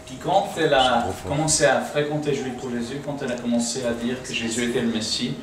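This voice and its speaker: A man's voice: mid-range voice, steady tone, brisk. A man from the United States speaking informally to a small church gathering, hesitant, with many fillers and restarts. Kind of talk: informal talk to a small congregation. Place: living room used for a home church. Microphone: distant camera, speaking through a small PA. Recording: echoey room from a distant camera, audible noise.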